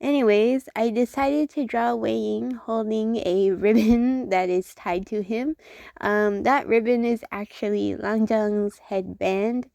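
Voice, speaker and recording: A woman's voice: on the high side, fairly even intonation, slow, gravelly, warm tone, dry recording. A young woman chatting casually about her drawing, rambling with lots of fillers and self-corrections. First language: not Chinese-first; Chinese is her second language. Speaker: art vlogger. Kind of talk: casual chat while drawing.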